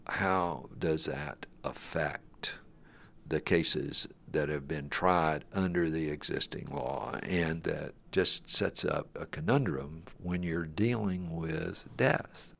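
An older man, once a high court justice, answers interview questions deliberately and weighs each word. His voice is very deep and gravelly, and he speaks slowly. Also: a bit bright. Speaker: former state supreme court justice.

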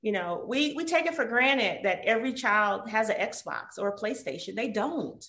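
A woman from Detroit, a guest telling her life story in a casual interview, with animated quoted voices. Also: fairly high pitch, moderate pace. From Detroit, USA. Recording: roomy echo.

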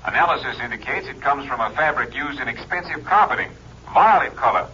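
An American actor playing a brisk, clipped, official police captain in a 1950s radio drama. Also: male voice, medium pitch, expressive, bright, forceful tone, muffled recording, a little hiss or hum. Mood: businesslike. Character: brisk police captain reporting lab findings. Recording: thin, band-limited old radio recording.

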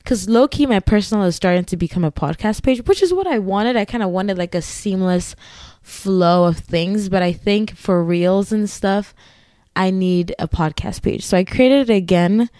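A woman's voice: medium pitch, moderate pace, dark tone, no room sound, studio quality. A woman with a Ghanaian accent hosting her own podcast solo, chatting in a rambling, giggly way with asides. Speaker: podcast host. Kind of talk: casual solo podcast chat.

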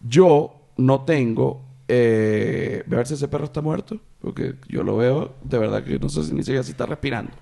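A man hosting a podcast in a relaxed chat, quick and animated, laughing often as he tells stories. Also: mid-range voice, creaky. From Venezuela. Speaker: podcast host. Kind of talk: casual chat.

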